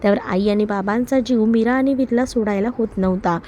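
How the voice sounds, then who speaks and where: A woman's voice: a little high, brisk, mellow, a little hiss or hum. A woman reading a romance story aloud, telling the narration and speaking both lovers' lines herself.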